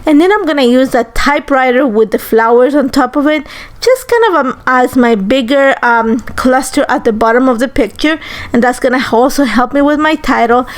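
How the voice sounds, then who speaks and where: Lady in her 40s talking thru a craft tutorial, high light voice, loose and chatty. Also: moderate pace. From Ecuador. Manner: chatty, easygoing, with frequent ums and likes. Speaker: crafter on a design team.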